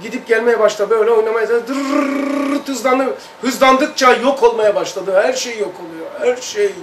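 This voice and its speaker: A high-pitched man leads a religious study lesson in an earnest, emphatic way, stretching words and imitating sounds as he tells his story. He sounds far from the mic in a reverberant room, with a light hiss underneath. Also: a little fast. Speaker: religious study circle teacher. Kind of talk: recounting a personal experience and reading aloud in a study lesson. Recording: echoey room, distant mic, light noise.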